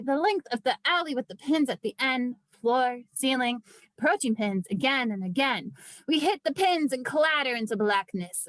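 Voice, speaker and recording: A woman reading screenplay stage directions as scripted narration, with vivid, deliberate storytelling. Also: sits high, dry recording, rough recording.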